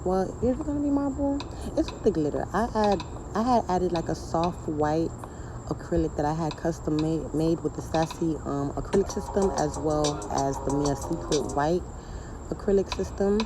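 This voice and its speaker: A woman's voice: sits low, normal speed, noisy background. A woman nail artist chatting casually over her tutorial, rambling and correcting herself, and keeping her voice down. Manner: keeps her voice down for the neighbors.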